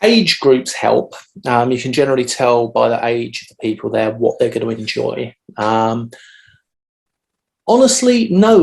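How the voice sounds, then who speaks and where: A man, answering interview questions at an even pace with frequent "um" fillers over a video call. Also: medium pitch, creaky, poor audio. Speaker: DJ and podcast guest. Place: home room on video call.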